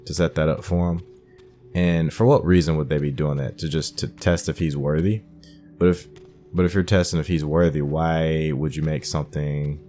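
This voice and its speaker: A man's voice: extremely low pitch, a little mellow. A man hosting a video game playthrough with casual, rambling, musing commentary. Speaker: gaming host. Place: game commentary with game music behind.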